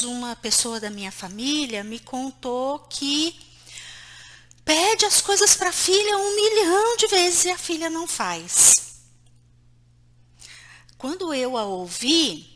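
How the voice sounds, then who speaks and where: A woman psychologist, giving an online lesson on parenting and explaining calmly while she points to places on a diagram. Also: sits high. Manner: acts out short quoted lines between mother and child.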